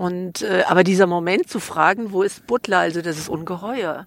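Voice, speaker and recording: A woman speaks at a medium pitch with ordinary pitch variation and a fairly quick pace. It is an ordinary speaking voice. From Germany, Hesse, Rhön border region. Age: 60s. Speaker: tour guide. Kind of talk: guided tour talk.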